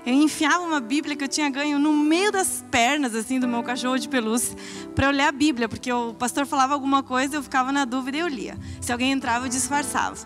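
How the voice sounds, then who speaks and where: High-voiced woman giving an earnest testimony. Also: fairly even intonation, fast, a bit bright, faint music behind. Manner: earnest storytelling, acting out her own past words. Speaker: pastor's wife giving testimony. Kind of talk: church testimony.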